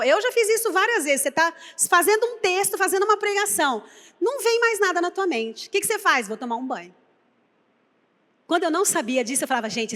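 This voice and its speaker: High bright-voiced Brazilian woman preaching. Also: big-room sound. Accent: Brazilian Portuguese. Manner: lively storytelling, acts out quoted dialogue. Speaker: pastor. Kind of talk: sermon. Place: church sanctuary.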